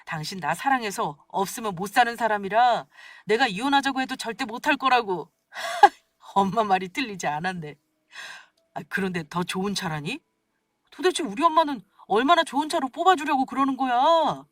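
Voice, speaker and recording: A sheepish husband who stammers and begs, as a woman reader voices him. The voice sits fairly high and swings up and down, heard dry and from a step back from the microphone in a storybook-style audio drama. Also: lively intonation, normal speed, a bit bright, dry recording. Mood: smug. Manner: stammering, pleading. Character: sheepish scheming adult husband, man. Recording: dry, distant from mic.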